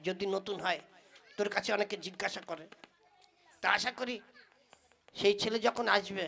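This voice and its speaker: A woman's voice: lowish voice, a bit bright. A woman playing a worried, lovesick young man who pleads plaintively in a comic puppet play.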